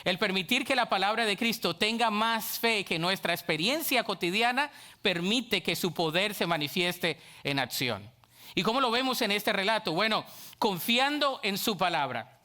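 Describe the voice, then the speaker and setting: A middle-aged man preaching a sermon, lively, acting out the voices of churchgoers. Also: high-pitched, normal speed. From Colombia. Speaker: pastor.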